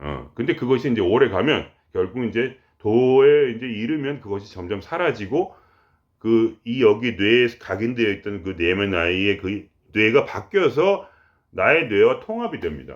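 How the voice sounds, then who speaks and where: Medium-pitched male speech, moderately paced, its pitch swinging very widely. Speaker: meditation teacher. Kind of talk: lecture. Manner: rough blunt way of talking; casual, halting with fillers.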